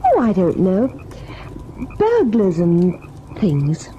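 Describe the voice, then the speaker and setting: A woman's voice: on the low side, wildly swooping pitch, takes it slowly, dark tone, full character voice. An actress playing a wistful, uneasy, girlish young wife in an old-time radio drama. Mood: wistful, playful. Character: uneasy, childlike young wife, affectionate and whimsical. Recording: muffled old radio recording, faint noise.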